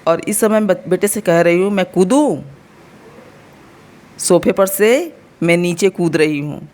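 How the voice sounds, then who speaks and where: Talking a little slowly in a low, darkish tone, this woman chats with her viewers in a relaxed home vlog. She's in her thirties, comes from India with an Uttar Pradesh Hindi accent, has a slightly sore throat, and addresses her audience directly as she explains things.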